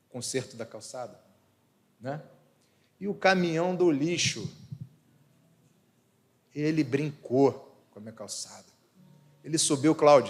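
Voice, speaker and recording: Animated Carioca pastor in a reverberant church. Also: male voice, mid-range voice. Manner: animated, rhetorical questions, humorous asides. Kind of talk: sermon with personal storytelling.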